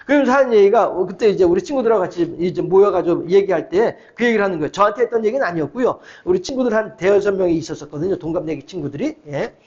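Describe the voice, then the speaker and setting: A middle-aged man with an unusually high voice is preaching a weeknight sermon to his congregation. He talks in a relaxed, chatty way and keeps asking the listeners questions. The recording sounds dull and muffled. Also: rapid-fire, hardly any pauses. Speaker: pastor.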